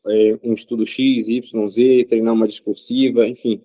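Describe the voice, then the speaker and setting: A man, an interview guest speaking in a measured way with frequent pauses and filler sounds. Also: medium pitch, flat delivery, mellow, dry recording. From Rio de Janeiro state, Brazil. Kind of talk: casual interview answers.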